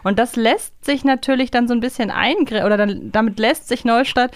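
A woman's voice: a little high, normal speed, no room sound. A woman co-hosting a casual fan podcast, conversational and ready with her own opinions. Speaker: podcast co-host.

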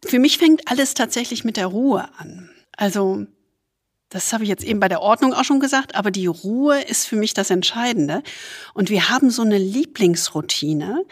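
A woman's voice: mid-range voice, no echo, studio quality. A woman host talks casually and directly to her listeners, explaining things in a conversational way.

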